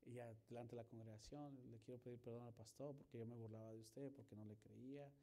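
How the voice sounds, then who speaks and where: A male pastor preaching a sermon, swinging from loud emphasis to hushed storytelling and acting out the dialogue he quotes. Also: medium pitch, steady tone, quick pace. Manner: acts out quoted dialogue in his telling.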